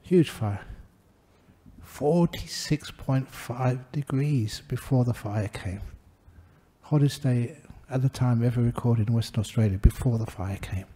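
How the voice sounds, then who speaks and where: An older man, a Buddhist monk giving a gentle, humorous dharma talk to a gathering. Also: mid-range voice, unhurried, slightly rough. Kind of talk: relaxed dharma talk with anecdotes.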